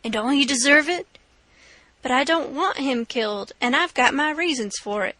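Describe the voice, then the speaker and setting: A woman's voice: sits high, moderate pace, sharp tone, no room sound. A woman doing a hotheaded, blunt river robber. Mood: insistent. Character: hotheaded male river robber, eager to kill.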